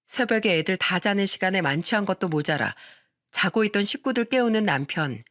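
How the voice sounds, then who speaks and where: Bright woman narrating a radio story. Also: mid-range voice, animated, a little fast, dry recording, studio quality. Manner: conversational, addressing listeners with questions. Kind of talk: scripted first-person narration.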